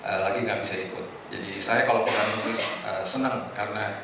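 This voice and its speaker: A middle-aged man preaching informally to a congregation in a conversational, joking way, with hesitant pauses. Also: on the low side, fairly even intonation. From Indonesia. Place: large echoing indoor hotel hall. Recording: echoey hall, distant mic, noisy room.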